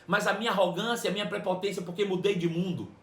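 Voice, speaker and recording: A man with a Brazilian accent preaching a sermon, telling a personal story in an animated way and repeating phrases for emphasis. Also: high voice, fast, roomy sound. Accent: Brazilian Portuguese.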